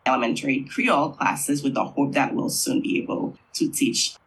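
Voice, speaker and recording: A middle-aged man from Haiti, a Creole language teacher, answering interview questions in an unhurried, thoughtful way with frequent fillers. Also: medium pitch, fairly bright tone, slight background noise, rough recording.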